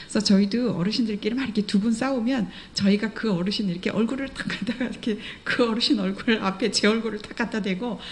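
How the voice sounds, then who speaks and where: A woman's voice: mid-range voice, quick pace, hardly any pauses, a little hiss or hum. A middle-aged woman, director of a care training school, walking through exam questions and patiently explaining each answer. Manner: explains patiently, acts out residents' remarks.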